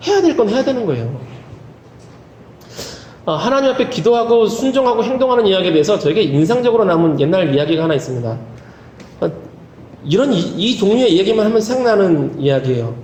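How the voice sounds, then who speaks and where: A man's voice: high-pitched, lively intonation, a little fast, pauses often, a little mellow, slight background noise. A male pastor preaching a sermon in a church, earnest, with folksy humorous asides. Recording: roomy church hall, faint ambience.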